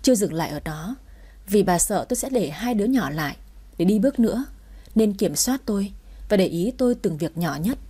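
A woman's voice: mid-range voice, animated, fairly quick, mellow, breathy edge. A woman in her twenties narrating her own sad family story in a sorrowful, reflective way. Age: 20s. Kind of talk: first-person story narration.

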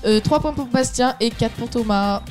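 A woman's voice: fairly high pitch, moderate pace, darkish tone. A woman co-hosting a casual live web radio show in French, playful and joking as she keeps score in a music quiz.

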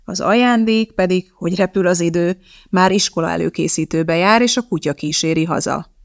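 A woman narrating a novel as an audiobook in a measured, dramatic storytelling manner. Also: fairly low pitch, no room sound, studio quality.

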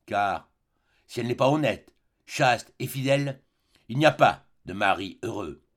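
A man's voice: mid-range voice, expressive, measured pace. A man reading a play aloud, voicing a loyal female servant who pleads earnestly.

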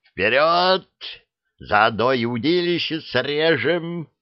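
A man voicing the giddy left head of a three-headed dragon in a storybook reading, giggling and high. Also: lively intonation, takes it slowly, clear, resonant tone, no room sound, muffled recording.

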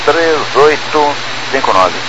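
A man's voice: on the high side, lively intonation, takes it slowly, highs cut off. A Brazilian man talking over a walkie-talkie style radio as a pilot, giving clipped air traffic readbacks. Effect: radio transmission. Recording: noisy aircraft radio transmission.

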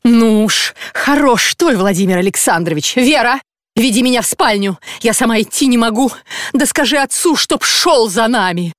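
A woman's voice: on the high side, animated, normal speed, dry recording, studio quality, pitched above the performer's own voice, natural voice. A reader voicing an angry older wife who shrieks and sobs insults at her husband in an audiobook. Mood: shrill scolding.

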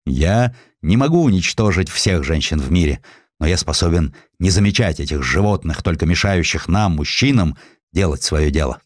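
A man's voice: low voice, lively intonation, moderate pace, no room sound, clean studio sound. A man voicing a haughty Victorian colonial magnate who scorns women, in a pompous, declamatory way, for an audiobook.

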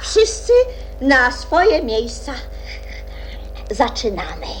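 A woman's voice: a little high, wildly swooping pitch, extremely slow, a bit bright, faint music behind, heavily acted, rough recording. An actress playing an imperious, short-tempered storybook queen in a radio play, with a commanding, abrupt manner.

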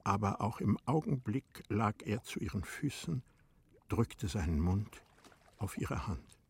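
A man narrating a literary story from a script, in a measured, articulate storytelling manner. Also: lowish voice, animated, gravelly, slightly rough.

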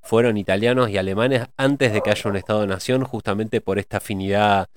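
A man in a reflective cultural discussion, pausing often with hesitations as he thinks aloud. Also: on the low side. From Argentina.

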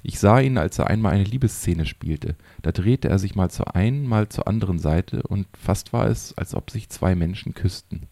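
A man's voice: low voice, lively intonation, normal speed, vocal fry, hardly any pauses, mellow, no room sound, exaggerated voice. A man voicing a talkative elderly village woman in an audiobook, in a chatty and admiring tone. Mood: fond.

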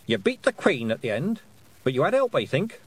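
A man's voice: on the high side, sing-song, fairly quick, breathy edge, pitched above the performer's own voice. A man playing a stern old witch. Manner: clipped, commanding. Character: stern thin old woman witch, proud and blunt.

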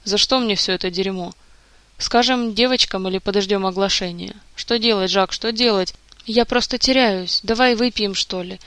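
A reader voicing a grieving adult king in an audiobook, weary and halting, close to tears. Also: medium pitch, sharp tone, clear, resonant tone, no room sound. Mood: despairing.

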